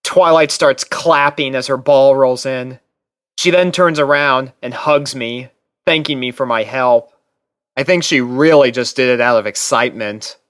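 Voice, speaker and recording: A man's voice: medium pitch, a little slow, a bit bright, no echo, studio quality. A man reading scripted first-person fiction aloud as a story narrator. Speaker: narrator and reader.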